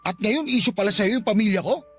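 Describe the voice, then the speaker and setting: Isang lalaking gumaganap sa dramang pag-ibig sa radyo bilang nasaktan at mapait na batang nobyong iniiwan, puno ng panunumbat. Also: male voice, high voice, fast, fairly bright tone, faint music behind. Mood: incredulous, hurt. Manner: wounded, reproachful. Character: hurt, bitter young boyfriend being dumped. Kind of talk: radio romance drama acting.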